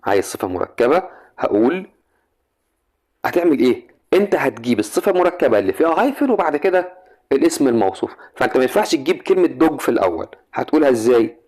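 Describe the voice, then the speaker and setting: A man's voice: medium pitch, very animated, racing, darkish tone. Young Egyptian man, English teacher, coaxing chatty lesson delivery. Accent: Egyptian Arabic. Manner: chatty, coaxing, asks the student questions. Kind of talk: exam grammar lesson.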